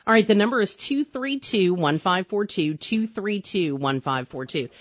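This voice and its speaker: A man hosting a radio call-in show, talking in a smooth, easy host manner and agreeing along with his guest. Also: high voice, animated, no echo. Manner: smooth, conversational, quick to agree. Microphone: studio microphone. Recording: dull, dry radio studio sound.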